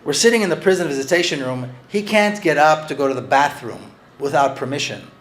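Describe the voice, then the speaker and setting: A man talking earnestly about his book, often restarting his phrases. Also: fairly high pitch. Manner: earnest, halting with frequent restarts. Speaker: author discussing his book. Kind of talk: conversational talk with read-aloud passages.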